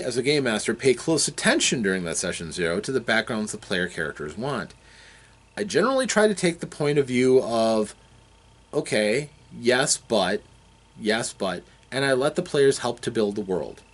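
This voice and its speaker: A man giving an unscripted explanation as a game master, speaking in a deliberate, halting way as he thinks aloud. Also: mid-range voice, a bit bright.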